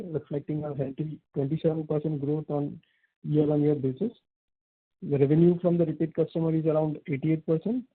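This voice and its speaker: A man with an Indian accent formally presenting financial figures as a company executive on an earnings call over a phone line. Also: a little high. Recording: muffled, phone-like conference line.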